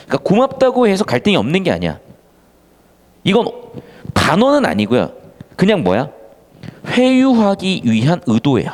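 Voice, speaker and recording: An animated male tutor with a slightly high voice explains a text to students in an exam-prep lecture. His pitch leaps about constantly, and he switches between casual and polite speech. The room gives his voice a long, trailing reverb. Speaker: Korean literature tutor.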